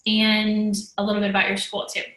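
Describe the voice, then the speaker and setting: A woman host asks her guest questions in an upbeat, enthusiastic way. Her voice is bright and forward. The room around her sounds echoey. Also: medium pitch, monotone, fairly quick. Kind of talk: casual video interview.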